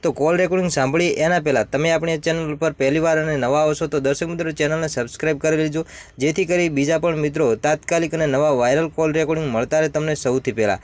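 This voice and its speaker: Rapid-fire channel host. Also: male voice, fairly high pitch, steady tone. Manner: repeats "friends" in almost every phrase. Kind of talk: excited video narration.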